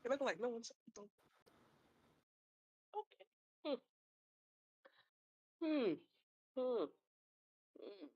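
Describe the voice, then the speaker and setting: A woman's voice: on the high side, expressive, drawn-out words, pauses often, darkish tone, muffled recording. A woman playing in a tabletop game, speaking in a musing, hesitant way that trails off. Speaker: player. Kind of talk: tabletop role-play chat.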